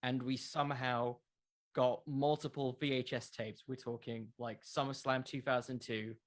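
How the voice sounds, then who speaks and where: A man's voice: mid-range voice, level tone, measured pace. A young man talking casually as an interview guest, explaining things earnestly in a rambling way. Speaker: interview guest, wrestling content creator.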